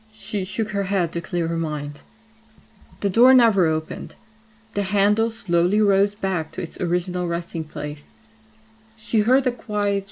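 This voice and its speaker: A woman's voice: lowish voice, a little mellow, poor audio. A woman reading scripted story narration as the narrator of an audio drama.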